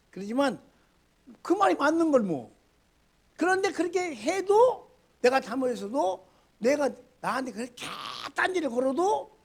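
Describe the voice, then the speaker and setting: A middle-aged man serving as pastor preaches informally to his congregation, alternating loud outbursts with low mutters and throwing rhetorical questions at them.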